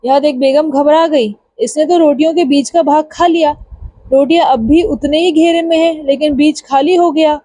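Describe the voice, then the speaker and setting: High-voiced woman telling a folk tale. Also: steady tone, moderate pace, warm tone, no echo. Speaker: narrator. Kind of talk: storybook narration.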